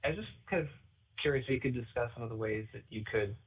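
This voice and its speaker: A man asking questions as an analyst on an earnings call, with hesitant, halting phrasing. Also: mid-range voice, husky. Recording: distant, tinny phone line.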